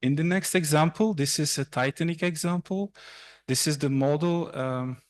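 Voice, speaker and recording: A young adult man whose first language is Turkish gives a university seminar talk in a lecture room, explaining slides in a halting way with fillers and restarts. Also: fairly high pitch, slight background noise. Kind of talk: academic presentation.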